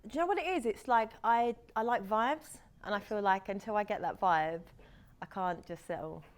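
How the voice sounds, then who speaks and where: A woman's voice: medium pitch, moderate pace. A woman hosting a dating show, asking direct, teasing questions.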